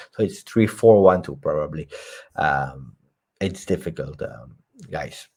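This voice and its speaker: A man's voice: deep voice, darkish tone. A man hosting a live post-match football reaction stream, talking emphatically and reading viewer comments aloud. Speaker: football channel host.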